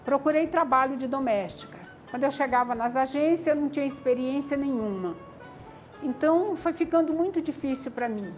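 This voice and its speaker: A woman's voice: sits high, fairly quick. Older woman, reflective interview storytelling, faint background music. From Maranhão, Brazil. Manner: reflective, frequent "né?" and "tá entendendo?" tags. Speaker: community founder. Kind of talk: personal life story interview.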